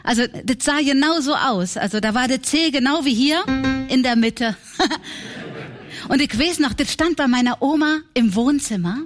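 A woman voicing Claire, a brash, carefree woman clown from Berlin with a Berlin accent who speaks loudly, giggles and uses slang. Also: high-pitched, unhurried, faint music behind, voice pushed up. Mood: chatty. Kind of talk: comedy stage sketch.

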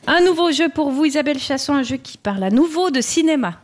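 A woman's voice: high-pitched, lively intonation, fast talker. A woman hosting a comedy panel game, teasing the guests and introducing each one. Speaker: game show host.

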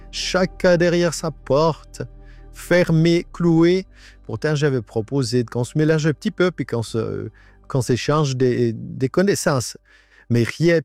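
A man in his nineties gives a halting personal testimony in a radio interview. His voice is disguised by an AI voice changer. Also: mid-range voice, vocal fry, a little mellow, dry recording. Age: 90s. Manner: halting, with many restarts and repetitions. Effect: voice altered by an AI voice changer.

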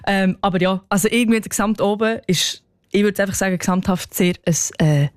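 A woman's voice: medium pitch, brisk, no echo, clean studio sound. A young woman with a Swiss German accent, a singer-songwriter guest answering in a thoughtful, hesitant way. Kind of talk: radio interview.

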